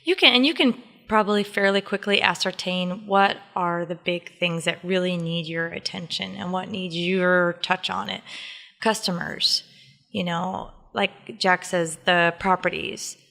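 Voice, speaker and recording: A woman's voice: fairly low pitch, fairly even intonation, measured pace, vocal fry, a bit bright, in a large hall. An American woman co-hosting a podcast, chatting casually and explaining business advice emphatically, step by step. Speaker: podcast co-host.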